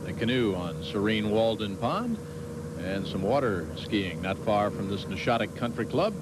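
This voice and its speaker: A man's voice: on the low side, sing-song, normal speed. A man anchoring a live golf broadcast as commentator. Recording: noisy outdoor sports broadcast.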